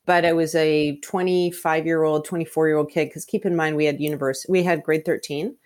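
A woman's voice: low voice, fairly even intonation, brisk, darkish tone, slight background noise. A Canadian woman in her fifties with Hungarian as her first language, telling her career story frankly and chattily as an interview guest. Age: 50s. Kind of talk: candid conversational interview.

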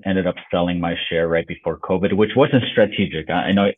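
A man from Slovakia chatting loosely as a podcast guest. His voice sits very low and sounds husky. He comes through a tinny, phone-like remote call line. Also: brisk. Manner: relaxed, loose, many fillers. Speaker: podcast guest, business owner. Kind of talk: casual interview chat.

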